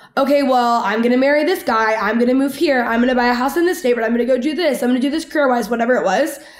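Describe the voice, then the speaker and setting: A woman with an American accent speaks at a high pitch with ordinary pitch variation, and room echo is audible. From Texas. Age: 20s. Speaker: content creator and podcaster. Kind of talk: interview conversation.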